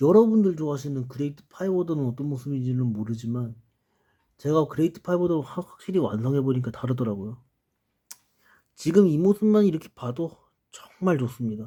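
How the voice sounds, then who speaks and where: With a dark, mellow tone and a somewhat breathy quality, a man speaks at a fairly high pitch using lively intonation. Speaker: model kit hobbyist video host. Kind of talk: casual vlog talk. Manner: not always clearly articulated.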